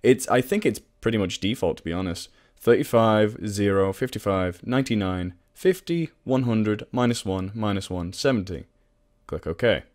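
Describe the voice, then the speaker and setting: A man presenting a casual software tutorial in an informal, self-deprecating, sweary way. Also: fairly low pitch, animated, normal speed.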